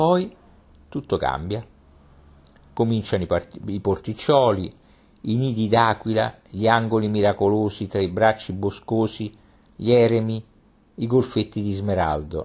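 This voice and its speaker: Fairly low in pitch, a man speaks at a fairly slow pace with ordinary pitch variation and long, frequent pauses. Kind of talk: reading aloud a travelogue text. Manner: measured, literary, evocative narration.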